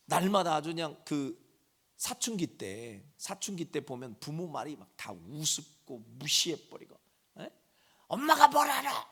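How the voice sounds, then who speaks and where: A middle-aged man preaches in a church sanctuary with a high, bright voice that leaps around in pitch. He dramatizes his points, switching into the voices of scolding parents and pleading children. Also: slightly rough. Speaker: senior pastor. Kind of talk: sermon.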